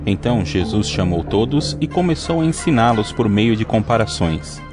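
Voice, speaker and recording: A man narrating an audio Bible in a steady, measured scripted reading. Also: on the low side. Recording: music playing underneath.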